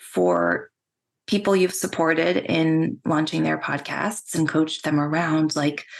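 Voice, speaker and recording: A quiet woman's voice at a fairly slow pace, its loudness very even throughout. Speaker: podcast host. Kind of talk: interview. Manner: slow, pauses between thoughts.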